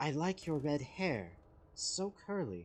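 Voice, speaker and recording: In a put-on character voice, a man speaks at a fairly slow pace, gravelly and fairly high in pitch, with very wide pitch swings. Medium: read story. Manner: sweet, coaxing, manipulative.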